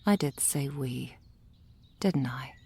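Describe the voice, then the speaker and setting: A woman voicing a gentle female soul healer in an ASMR roleplay, whispering softly and soothingly into a close microphone. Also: extremely low pitch, a little hiss or hum, full character voice. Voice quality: breathy whisper. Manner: soft whispering, slow and soothing. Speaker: ASMR performer.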